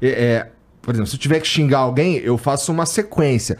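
A man's voice: medium pitch, quick pace. A man hosting a podcast, chatting casually with heavy slang, free swearing and teasing banter. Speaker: podcast host.

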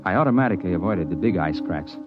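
A man narrating a mountain adventure in the first person, steady and matter-of-fact, in an old radio drama style. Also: deep voice, quick pace. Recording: lo-fi old radio broadcast with music.

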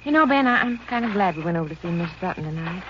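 A woman's voice: lowish voice, animated, very fast, close to an everyday voice. An actress playing a placating, concerned Texas ranch wife and mother in an old radio drama. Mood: gentle, sympathetic. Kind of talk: 1940s-50s radio drama acting. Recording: noisy, muffled old radio recording.

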